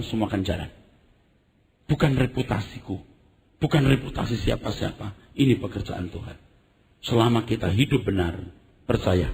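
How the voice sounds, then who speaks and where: Man preaching with an animated, wide-ranging delivery and vivid storytelling, heard in a reverberant hall. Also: mid-range voice, a little hiss or hum. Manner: animated storytelling, acts out screams and sounds; addresses the congregation as "saudara". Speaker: pastor. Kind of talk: sermon.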